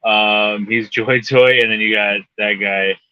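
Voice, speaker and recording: A man co-hosting a casual chat, explaining things in a rambling, halting way. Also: on the low side, steady tone, no room sound. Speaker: podcast co-host. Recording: dull lo-fi audio.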